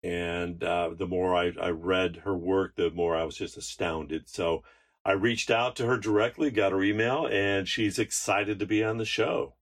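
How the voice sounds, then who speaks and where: A man co-hosting a podcast, talking in a loose, chatty way and introducing a guest. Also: moderate pace. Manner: loose and chatty, rises high when excited. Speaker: podcast co-host. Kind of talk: casual podcast chat.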